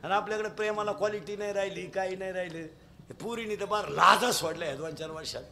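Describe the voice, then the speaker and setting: A man giving a comic devotional kirtan sermon, joking and telling lively stories with acted-out quotes. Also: high-pitched, fast talker, vocal fry. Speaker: kirtan preacher.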